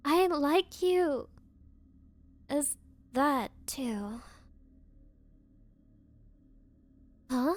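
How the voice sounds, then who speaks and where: A bratty young rich girl, acted by a woman speaks in a high voice at a slow, drawn-out pace. She is coy, haughty and defensive about her crush, in the style of an anime ASMR roleplay, recorded dry and close. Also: darkish tone, no room sound, heavily acted. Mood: flustered, defensive. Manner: coy, haughty, hesitant valley-girl phrasing. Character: bratty spoiled rich girl, possessive, smitten but defensive.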